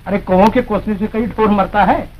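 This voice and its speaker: An actor playing a smug, scheming village moneylender in a 1940s film. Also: male voice, high voice, fairly even intonation, brisk, natural voice. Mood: gloating. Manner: smug, gloating, mocking laughs. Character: greedy scheming village moneylender, middle-aged man. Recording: dull old film soundtrack with hiss.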